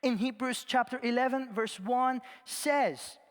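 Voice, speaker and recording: A man from Iran, preaching a sermon in an earnest storytelling way, his phrases often trailing off softly at the ends. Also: extremely high pitch, unhurried. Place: large church. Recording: long church reverb.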